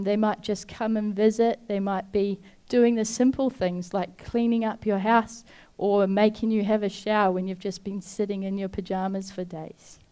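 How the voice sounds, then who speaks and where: A woman delivers a heartfelt devotional message, speaking to the listener directly and urging them gently. Her voice is mellow and warm, with a smooth, clear tone. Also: medium pitch. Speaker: speaker giving a devotional talk. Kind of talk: earnest devotional talk.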